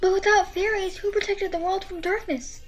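A woman voicing a sweet, gentle, soft-spoken teenage fairy in a cartoon fan dub. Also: very high voice, steady tone, normal speed, soft background music. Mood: worried.

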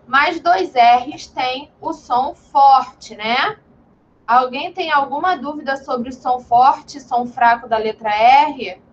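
A woman's voice: high-pitched, slight background noise. A woman teaching an online class to young children, patient and encouraging, with lo-fi video call audio. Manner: patient, slow and encouraging, calls herself "tia". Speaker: primary school teacher.

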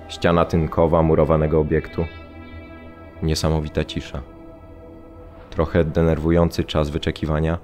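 A man acting as a prisoner recalling a deportation, narrating gravely in short, clipped phrases. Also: very deep voice, darkish tone. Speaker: actor reading a prisoner's account. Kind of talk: scripted documentary radio-drama narration, terse present-tense recollection.

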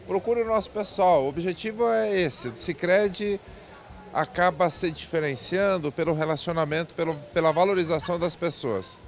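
A man's voice: on the high side, slight background noise. A man, president of a cooperative bank, speaking measuredly with restarts in an interview at an indoor event stand on a handheld mic. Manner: measured, repeats and restarts phrases.

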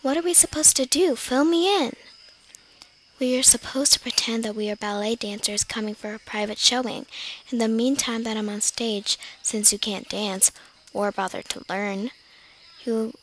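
A woman's voice: fairly high pitch, steady tone, normal speed, a bit bright. A woman playing young assassin sisters in an amateur audition reading, on a noisy home recording. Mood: conversational, scolding.

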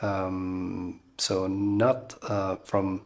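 An English teacher in his forties from the Eastern Balkans, with an Albanian accent, gives a talking-head lesson straight to a camera held close at face level in a small indoor room. He speaks haltingly with many ums and uhs, frequently asking "okay?". His voice is deep and monotone.

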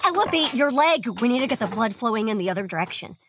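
Woman acting a high-pitched, frantic, bossy young woman. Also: animated, fast, noisy background, close to an everyday voice. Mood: bossy, impatient. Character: bossy, frantic, foul-mouthed young woman, reckless amateur medic. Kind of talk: audio drama acting.

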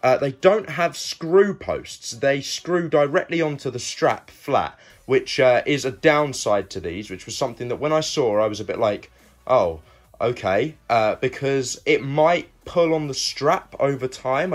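A man's voice: medium pitch, lively intonation, measured pace. A young man giving a casual, conversational product review, talking directly to his viewers. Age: young adult. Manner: conversational, addresses viewers as guys. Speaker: video reviewer and host.

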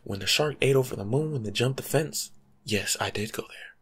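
A young man doing soft-spoken ASMR as a laid-back, rambling life coach, husky and often slipping into a whisper. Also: medium pitch, a little fast. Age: young adult. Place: small room at home.

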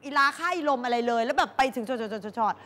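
Bright, high-voiced woman talk show host. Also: expressive, racing, big-room sound. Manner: chatty, acts out little quoted voices. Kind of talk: comic advice talk to viewers.

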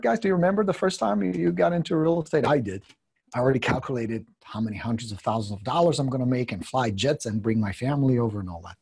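A man's voice: mid-range voice, darkish tone, slightly rough. A man in his fifties with a Czech accent, a guest coach telling his story bluntly and jokingly, with some swearing, into a desk microphone in an indoor studio. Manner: blunt, profane, joking, gestures a lot. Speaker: guest real estate coach. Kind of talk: candid storytelling in a video interview. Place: indoor studio room with brick wall. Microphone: desk condenser microphone.

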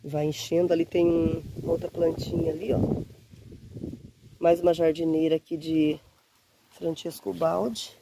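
A woman in her forties, slightly hoarse from a cold, chatting warmly to her phone camera outdoors in a windy garden. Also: sits low, flat delivery, a little slow, long pauses. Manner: warm, chatty, often says "gente" and diminutives. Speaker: gardening vlogger. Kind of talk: casual chat to camera. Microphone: phone camera held at arm's length. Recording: faint wind noise outdoors.

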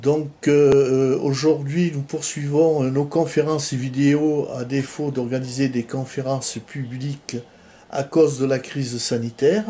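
Hesitant male host, slow delivery, warm low tone. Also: fairly even intonation. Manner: hesitant, many fillers. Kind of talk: introducing a guest.

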